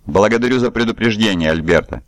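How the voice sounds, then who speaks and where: A guarded woman reporter trades clipped, cool replies in an audiobook tale, voiced by a male reader lifting his deep voice a little. Her tone is dry and sharp. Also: fast, no room sound, close to an everyday voice.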